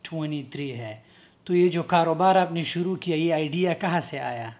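A man's voice: a little high, moderate pace, a little mellow. A man in his thirties from Pakistan hosting a casual interview, joking and mixing in English words. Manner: joking, mixes English into Urdu-Hindi. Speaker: host. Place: indoor furniture warehouse showroom.

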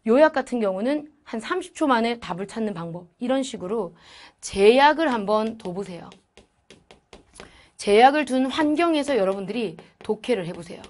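A woman's voice: fairly high pitch, expressive, normal speed, darkish tone. A woman English teacher giving a chatty lecture to students, asking questions and answering them herself. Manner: chatty, asks and answers her own questions.

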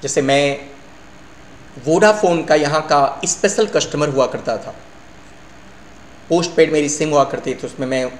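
A man's voice: fairly high pitch, unhurried, long pauses. A middle-aged male English teacher explaining word meanings to his students in Hindi, asking and answering his own questions. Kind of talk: vocabulary lesson. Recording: echoey room, faint hum.

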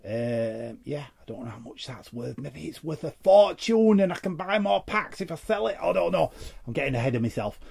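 A man's voice: a little high, expressive, normal speed, vocal fry, darkish tone, slightly rough. A man giving casual, chatty unboxing commentary as host, muttering and repeating short phrases to himself. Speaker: host of a trading card opening show.

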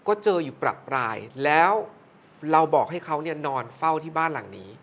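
Woman with a lively, swinging voice. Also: low voice, fairly quick. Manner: expressive, acts out quoted voices. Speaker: film producer or director. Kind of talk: casual interview storytelling.

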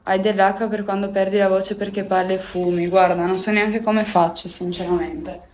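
A woman's voice: medium pitch, little pitch movement, normal speed, a little mellow, slight background noise. A young woman, chatting casually with viewers on a phone livestream from home, swearing and laughing often. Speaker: livestream host. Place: at home indoors.

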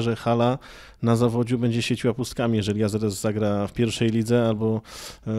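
A young male reporter asks pointed, persistent questions in a small office. His voice is flat and even, with a darker, mellow tone. He speaks into a handheld mic. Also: mid-range voice. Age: young adult. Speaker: radio reporter. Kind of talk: interview questions.

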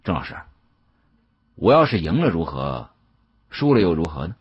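A man's voice: low voice, sing-song, normal speed, husky, dull audio, exaggerated voice. A man voicing a guarded, plain-spoken antiques shopkeeper in an audiobook, with a wry colloquial manner. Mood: wary.

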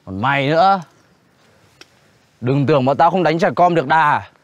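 A man's voice: a little high, expressive, normal speed, no echo, lo-fi sound, natural voice. An actor playing a menacing, bullying village man who threatens and insults, in a television drama.

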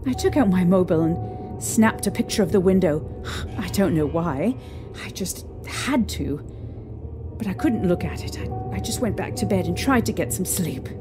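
A woman playing a frightened young mother in an audio drama, recounting a haunting with halting, emotional delivery. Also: fairly low pitch, animated, lightly acted. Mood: shaken, haunted. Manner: halting, emotional storytelling with trembling pauses. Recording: eerie music behind.

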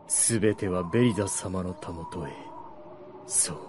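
A man playing a sinister servant of a dark master in a radio drama, slow, gloating and ominous. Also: low voice, exaggerated voice. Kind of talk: Japanese radio drama acting. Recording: loud noisy ambience behind the voice.

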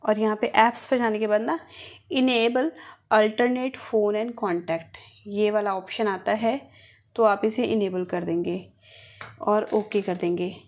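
A woman's voice: medium pitch, fairly even intonation, slow, a little mellow. A woman hosting a tutorial, talking viewers through steps in a casual, instructional way. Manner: addresses viewers directly, instructional. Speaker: host of phone tutorial videos. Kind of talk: casual step-by-step tutorial narration.

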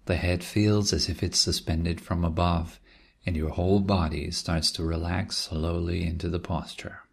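A man leading a guided meditation as a teacher, speaking in a calm, gentle and unhurried way with long pauses and a husky, gravelly voice. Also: low-pitched. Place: quiet room.

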